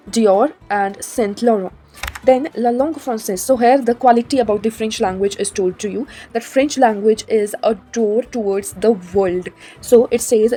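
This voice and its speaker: A woman's voice: fairly high pitch, dark tone, slightly rough. A young woman teaching a French lesson, explaining step by step and asking how so.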